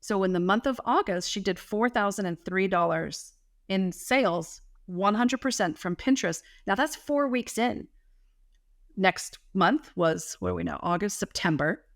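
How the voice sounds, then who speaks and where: A woman coaching and telling a client's story in a podcast interview, animated and emphatic, with casual slang. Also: medium pitch, measured pace, vocal fry, no echo, clean studio sound. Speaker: guest business coach.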